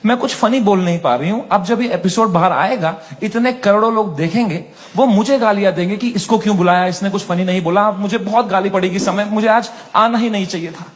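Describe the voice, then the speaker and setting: A man quoting an anxious young female guest in a soft, pleading, hesitant voice, recorded live on stage. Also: sits high, a little fast, few pauses, close to an everyday voice. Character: anxious young woman guest, tearful, self-doubting. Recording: live stage with crowd and noise.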